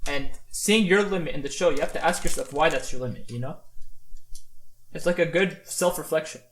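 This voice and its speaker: A man co-hosting a casual podcast chat, talking in an animated, opinionated way with lots of "like" and "right?". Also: on the high side, a little fast, reverberant. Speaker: podcast co-host.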